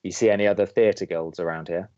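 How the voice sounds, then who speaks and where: A man acts out a young, sardonic college radio co-host in a podcast drama. His voice sits fairly low, and he delivers advice with dry skepticism and fussy precision. The sound is a little dull. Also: fairly even intonation, fast, warm tone, clear, resonant tone, natural voice. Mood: exasperated, sarcastic. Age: young adult. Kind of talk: scripted audio drama banter.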